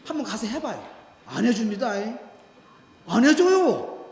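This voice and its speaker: Male pastor, sermon delivery with lively swings in pitch; animated storyteller, recorded in a reverberant church sanctuary. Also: unhurried. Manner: animated storytelling, acting out quoted voices. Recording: echoey church hall.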